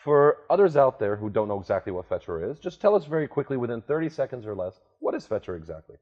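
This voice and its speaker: A man's voice: medium pitch, big pitch swings, fast, muffled recording. A man hosting an interview show, upbeat and direct, prompting his guest with questions. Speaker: podcast host.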